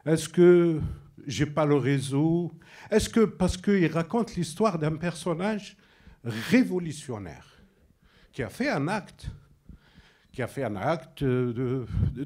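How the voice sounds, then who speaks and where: Algerian filmmaker, Arabic native, at a debate, slow and emphatic, slightly high-pitched. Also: male voice, mellow, breathy edge. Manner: emphatic, halting, with abrupt drops. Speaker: audience member, filmmaker. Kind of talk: public debate question from the floor.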